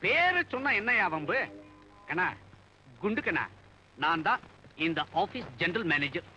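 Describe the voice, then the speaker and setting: A man's voice: high voice, big pitch swings, a little slow, bright, forceful tone, soft background music, full character voice, rough recording. An actor playing a blustering male office general manager who scolds and mocks his staff, in a 1980s Tamil film comedy. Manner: scolding, bossy, sarcastic.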